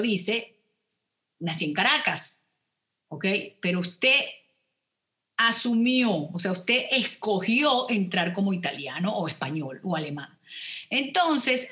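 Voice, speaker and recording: A woman's voice: mid-range voice, sharp tone. A woman, an immigration lawyer explaining the rules on a radio advice program, stopping often to check with "ok?". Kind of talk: radio call-in advice talk.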